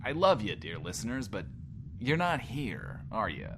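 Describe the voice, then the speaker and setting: Swaggering, theatrical radio host with wild swoops. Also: male voice, fairly low pitch, sing-song, moderate pace, background noise. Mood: wistful, self-important. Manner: pompous, wordy, theatrical, talks of himself in third person. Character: swaggering, insecure male post-apocalyptic bunker radio host. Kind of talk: in-world radio show monologue, audio drama.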